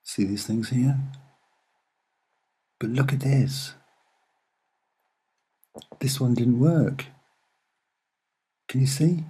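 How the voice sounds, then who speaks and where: Slow, soft-spoken man with a husky voice. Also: medium pitch. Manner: soft-spoken, hesitant and deliberate, with short phrases. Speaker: amateur presenter explaining photographs. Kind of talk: unscripted soft-spoken commentary over images.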